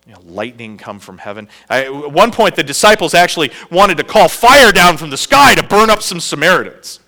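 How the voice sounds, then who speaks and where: Male pastor, sermon, bright tone, higher pitch, halting restarts, engages the congregation with questions. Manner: animated, asks the congregation questions; hesitant restarts with many "uh" fillers. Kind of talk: sermon with prayer and Bible reading.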